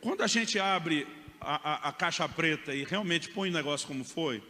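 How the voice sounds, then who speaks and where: A Brazilian Portuguese-accented male pastor gives a chatty testimony, calling listeners brother as he goes. His voice is bright and cutting, pitched a bit high for a man. A long hall echo and faint background noise surround him. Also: animated, normal speed. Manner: conversational storytelling, addresses listeners as "irmão". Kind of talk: sermon testimony.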